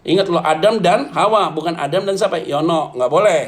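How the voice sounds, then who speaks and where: Man, high-pitched voice, pastor preaching, humorous, animated, talks straight to the listeners. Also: a little fast. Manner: animated, jokey, addresses listeners directly. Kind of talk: lively humorous sermon.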